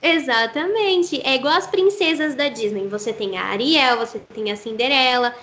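Explanatory Brazilian voice actress. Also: female voice, sits high, normal speed, fairly bright tone. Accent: Brazilian Portuguese. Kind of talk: interview.

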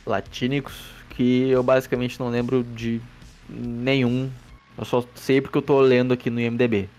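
Sarcastic Brazilian podcast host. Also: male voice, medium pitch, level tone, moderate pace, a little mellow. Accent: Brazilian Portuguese. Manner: sarcastic, profane, rambling with restarts. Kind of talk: casual podcast movie review. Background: faint background music.

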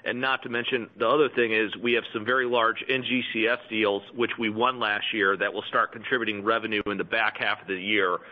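Halting male executive, low voice, phone audio. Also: fairly even intonation. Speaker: company executive. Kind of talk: earnings call answers to analysts. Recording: thin phone-line conference audio.

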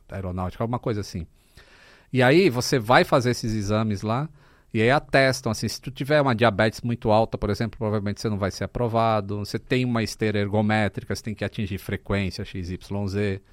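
A Brazilian man in his fifties, a podcast guest telling stories in a relaxed, casual way with many fillers. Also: fairly low pitch, no echo, clean studio sound. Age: 50s. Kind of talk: casual chat.

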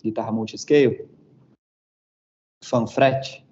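A man's voice: medium pitch, fairly even intonation, slow pace, a little mellow, slight background noise. Hesitant, reflective man, lo-fi sound. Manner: reflective, hesitant, frequent tag questions. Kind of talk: casual chat about guitars. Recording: dull lo-fi sound.

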